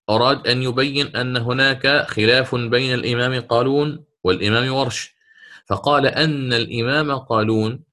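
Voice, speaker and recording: A man's voice: medium pitch, a bit bright. A man teaching a class on Quran recitation rules, questioning his students and explaining each rule step by step.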